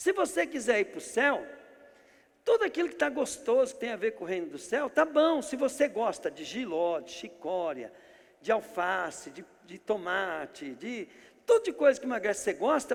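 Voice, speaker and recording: At a moderate pace, a man speaks at an extremely high pitch with very wide pitch swings and big swings in loudness. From Brazil, rural interior (Bandeirantes, Paraná). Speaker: pastor. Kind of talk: sermon. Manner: conversational, informal.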